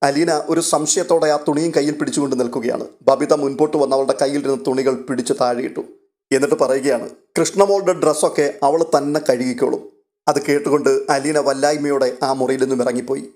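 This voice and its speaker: A man narrating a story recap of a TV serial in a steady, dramatic storytelling way. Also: mid-range voice, fast talker.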